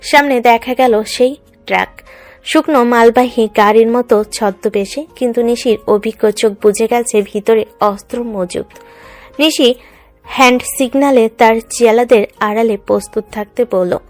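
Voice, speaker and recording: A woman's voice: on the high side, fairly even intonation, normal speed. A woman reading dramatic scripted narration for a love story. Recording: music under the voice.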